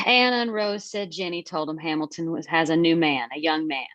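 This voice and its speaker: Woman acting a blunt, low-voiced angry mother. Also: normal speed, pushed and bright, no room sound. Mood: accusing. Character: angry, suspicious coal-town mother, protective and blunt. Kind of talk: screenplay table read. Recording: dull, lo-fi microphone.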